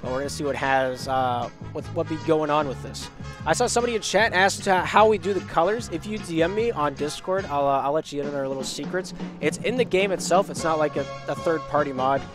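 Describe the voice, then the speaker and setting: A young man calls a live esports match in a slightly high voice, hoarse from a week of illness. His commentary is quick and lively, with energy that climbs on shots and goals. Faint music plays behind him. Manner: energetic, rising on shots and goals, chatty asides to chat.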